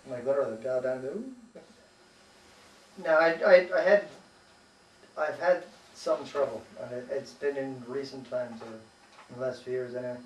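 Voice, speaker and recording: Here an American man from the United States, serving as interviewee, speaks at a medium pitch and normal speed with long pauses and a slightly mellow tone. He discusses his life casually, hesitant and meandering, frequently trailing off and tossing in casual swears. The room echoes, the mic is distant, and there's faint noise.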